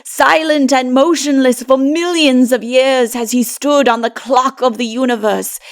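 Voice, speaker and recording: A woman's voice: high voice, fairly even intonation, measured pace. A woman voicing a solemn, exultant fatherly man with declamatory, archaic phrasing in a dramatic audiobook.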